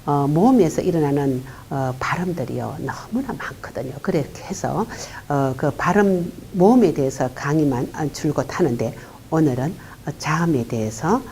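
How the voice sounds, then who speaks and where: A woman gives a pronunciation lecture in a fairly low, mellow voice. Her pitch moves a lot as she explains, with frequent "uh" fillers. A faint rumble sits under her voice. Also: expressive, normal speed, few pauses. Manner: quietly voices single consonant sounds. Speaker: English pronunciation teacher. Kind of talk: classroom-style pronunciation lecture.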